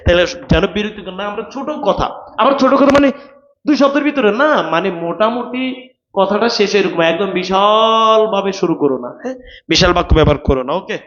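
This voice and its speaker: A man, pitched a little high, lectures students on exam rules in an instructive way. He repeats each point and keeps checking that they follow. The recording sounds roomy and dull, with a lo-fi quality. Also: animated, fairly quick, fairly bright tone. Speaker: admission test tutor. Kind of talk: online exam-prep lecture.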